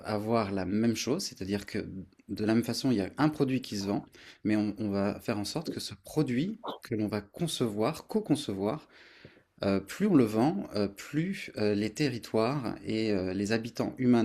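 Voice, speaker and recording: A man hosting a workshop, explaining things to a group spontaneously in a halting, searching way. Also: on the low side, darkish tone. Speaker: workshop host and facilitator. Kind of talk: spontaneous presentation to an online group.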